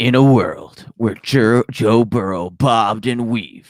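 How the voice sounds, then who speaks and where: A man puts on a character voice with a dramatic tone, speaking at medium pitch and a fairly slow pace. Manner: dramatic, epic.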